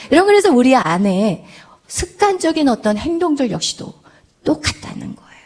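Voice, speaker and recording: Korean woman pastor preaching, mellow voice. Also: fairly high pitch. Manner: animated, acts out quoted prayers in a child's voice. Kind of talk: sermon with storytelling.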